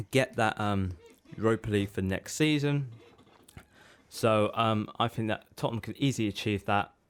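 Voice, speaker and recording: Pausing long and often, a man with an English accent speaks at a medium pitch with ordinary variation. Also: moderate pace. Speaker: football radio host. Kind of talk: solo football talk show. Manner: hesitant, many ums.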